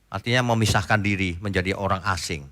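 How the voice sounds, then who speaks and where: Male pastor, bright tense tone, chatty sermon, loud points then quiet asides, rhetorical questions to the flock. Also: steady tone, fast talker. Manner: conversational preaching, swings between loud emphatic points and soft low asides; asks the congregation rhetorical questions.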